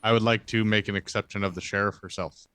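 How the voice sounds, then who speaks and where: A man's voice: lowish voice, fairly even intonation, fast, a bit bright, clear, resonant tone, no room sound. A man playing in a tabletop game podcast, chatting casually with the group. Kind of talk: casual chat.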